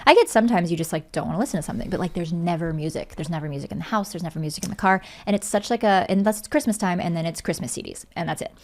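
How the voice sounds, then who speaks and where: A woman's voice: on the low side, rapid-fire, few pauses, slight background noise. A young woman chatting casually as a podcast guest, telling anecdotes in a giggly, talkative way full of "like". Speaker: podcast guest, voice actor and singer.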